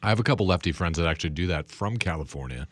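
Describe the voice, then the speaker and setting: A man's voice: low-pitched, expressive, very fast, no echo, clean studio sound. A man chiming in on a casual podcast, easygoing and agreeable, laughing often.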